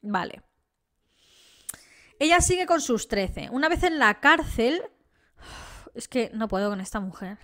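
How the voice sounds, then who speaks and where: A woman's voice: on the high side, lively intonation, takes it slowly, long pauses, fairly bright tone. Indignant chatty Spanish woman. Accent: Spain Spanish. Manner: indignant, chatty, addresses viewers directly. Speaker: true crime narrator. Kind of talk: casual true crime storytelling.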